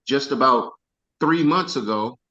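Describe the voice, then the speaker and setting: A man coaching a team on a video call, energetic and casual, repeating himself for emphasis. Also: mid-range voice, unhurried, dull audio.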